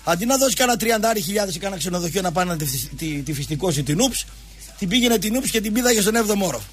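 Over music, a man with a high-pitched voice hosts a sports show, sharing casual anecdotes. He's animated, acting out the dialogue as if quoting people directly.

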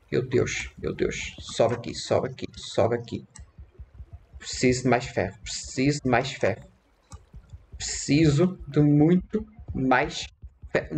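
A man with a European Portuguese accent chats through a game in a casual let's-play style. His voice sits a little high, and he talks excitably, repeating himself and blurting out panicky cries. A faint hiss of noise sits under the recording. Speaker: gaming YouTuber.

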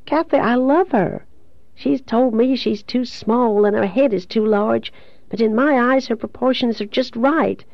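Woman acting grieving young man in love, audiobook, devout, pleading, gravelly catch, slightly dull recording. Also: fairly high pitch, no room sound, pitched above the performer's own voice. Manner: earnest, pleading, anguished.

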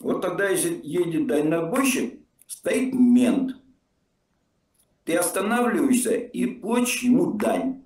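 A man's voice: a little high, sing-song, slow, a little mellow. An older man in a blunt, mocking casual argument over a video call, swearing freely. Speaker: video chat stranger. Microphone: remote video call audio. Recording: distant echoey video call.

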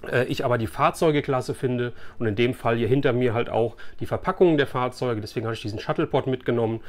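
A man's voice: mid-range voice, quick pace, soft background music. A man talks in a mid-range voice. He is chatty and enthusiastic, with informal wording, as if hosting a casual video for fellow collectors. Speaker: YouTube host, toy collector. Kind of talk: casual chat to camera. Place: small furnished room lined with shelves of collectibles.

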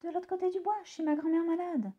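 A woman voicing a trusting little girl in a red hood, bright and eager, in a children's storybook reading. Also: very high voice, fairly even intonation, brisk, lo-fi sound. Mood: innocent. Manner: bright, wide-eyed and eager.

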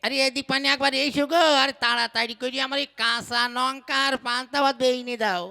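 Man voicing a bumbling village husband, puppet cartoon, high voice, loud and whiny. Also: animated, normal speed, full character voice. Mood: bossy, hungry. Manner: loud calling, then groaning and whining. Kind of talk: puppet show voice acting.

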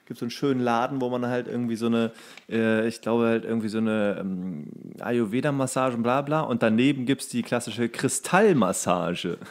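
A man's voice: mid-range voice, normal speed. A young man chatting casually as a podcast co-host, joking around and asking questions. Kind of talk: casual chat.

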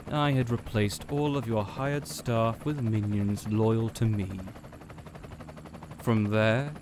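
A man playing a cold, condescending villain mastermind in an audio roleplay, delivering a slow, theatrical monologue. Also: fairly low pitch, noisy background, natural voice.

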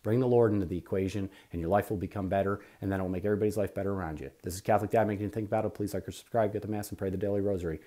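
A man's voice: deep voice, fairly even intonation, rapid-fire, few pauses, dark tone. A man hosting a Catholic podcast, giving a preachy, rambling opinion monologue on faith with frequent asides.

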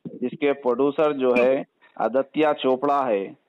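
A man's voice: mid-range voice, fairly even intonation, measured pace, clean tone. A man from Hyderabad with a Hyderabadi accent, arguing on a phone call in an insistent, persuasive manner and repeating his points. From Hyderabad, India. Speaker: caller. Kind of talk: argumentative phone conversation. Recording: dull, lo-fi recorded phone call.

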